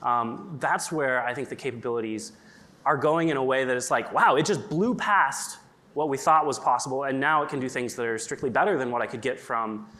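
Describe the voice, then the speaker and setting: A man's voice: medium pitch, brisk, sharp tone. A man speaking on a conference panel in a casual, chatty way, full of "like" and "um", whose first language is English. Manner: chatty, lots of likes and ums. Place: conference stage.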